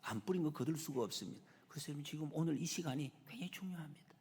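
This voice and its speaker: A man preaching in a church, his pitch rising and falling in a lively sweep as he builds his points. His voice carries a slightly husky edge, and a long reverb from the hall trails each phrase. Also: racing. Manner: animated preaching, acts out a quoted figure's shouts. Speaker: pastor. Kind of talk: sermon. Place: church sanctuary.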